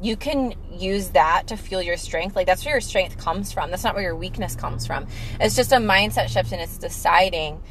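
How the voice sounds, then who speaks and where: A woman hosting a casual podcast, talking loud and emphatic in a fairly low voice. She pushes her points with motivational energy. A faint hiss of noise sits under the recording. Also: moderate pace, low-quality recording. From Italian family. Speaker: podcast host.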